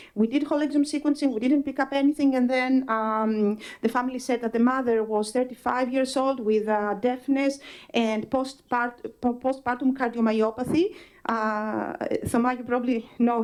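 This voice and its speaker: On a very clean recording with a silent background, a woman with a Greek accent speaks in a high pitch, with fairly even intonation and very even loudness. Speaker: clinical geneticist. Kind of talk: conference talk. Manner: fast.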